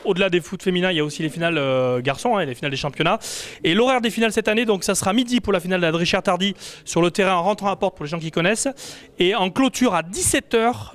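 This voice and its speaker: High-voiced man announcing a cup draw. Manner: chatty, hesitant, many fillers. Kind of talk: casual live announcing.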